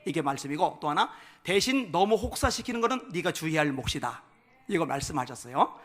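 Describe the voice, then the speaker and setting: A male pastor giving a revival sermon in a church, moving from quiet personal stories to loud, shouted preaching. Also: on the high side, expressive, brisk. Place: church sanctuary.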